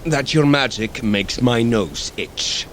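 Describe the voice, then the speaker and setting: An actor playing an earnest, blunt male warrior god in an audio drama, measured and solemn. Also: medium pitch, animated, a little hiss or hum. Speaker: Thor.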